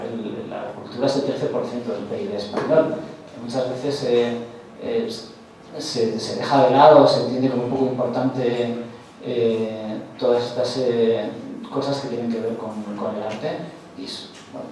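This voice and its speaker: A man's voice: mid-range voice, warm tone, recorded from a distance, a little hiss or hum. Man speaking in an echoey hall. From Spain. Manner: hesitant, many fillers and restarts. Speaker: composer presenting a festival commission. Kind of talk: public talk at a presentation.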